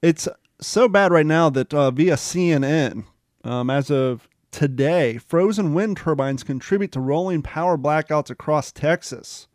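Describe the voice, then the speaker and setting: A man's voice: on the high side, unhurried, darkish tone, no echo, clean studio sound. A man hosting a casual talk show, reading news aloud in an easygoing way with fillers like "um" and "uh". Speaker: host.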